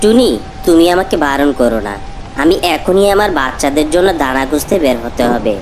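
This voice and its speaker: Low, lively father bird acted by a woman. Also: moderate pace, background noise. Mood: determined. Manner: earnest, reassuring. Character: devoted, self-sacrificing father tailorbird, brave and reassuring. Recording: music bed under the voice. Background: background music.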